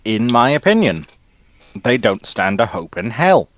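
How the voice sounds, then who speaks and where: A man's voice: mid-range voice, sing-song, a little slow. A man chatting casually as a guest panelist, giving his opinions. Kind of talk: casual discussion of science fiction ships.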